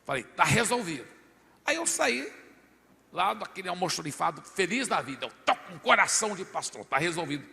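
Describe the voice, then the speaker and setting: A man, a guest pastor, telling his personal testimony with animated swings between loud and soft. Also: sits high, a little fast, creaky, long reverb tail.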